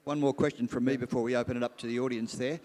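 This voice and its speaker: Quick-talking male panel moderator. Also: medium pitch, fairly even intonation, a little mellow. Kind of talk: moderating a live question-and-answer.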